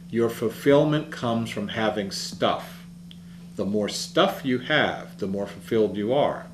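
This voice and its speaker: Earnest man speaking in a roomy hall. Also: fairly low pitch. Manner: earnest, reflective storytelling. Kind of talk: public talk. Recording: roomy echo with faint hum.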